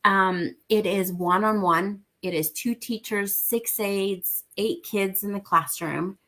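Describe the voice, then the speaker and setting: A woman's voice: mid-range voice, slow pace, a bit bright. A woman from Mexico, a parent of an autistic son, talking earnestly as a guest in a casual interview and repeating her key points for emphasis.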